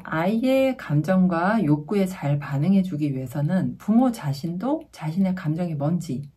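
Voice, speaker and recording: A woman with a lowish, slightly husky voice teaches parents how to respond to their children. She keeps her voice lively and full of movement, asks rhetorical questions and answers them herself. The tone is that of a friendly doula talking straight to the camera. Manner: acts out sample lines a parent might say to a child.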